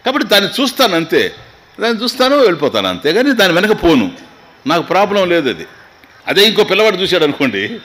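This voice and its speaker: A man's voice: high voice, fairly bright tone. A man, a swami, giving a spiritual discourse to listeners, asking rhetorical questions and mixing in English phrases. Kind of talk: Vedanta discourse in Telugu.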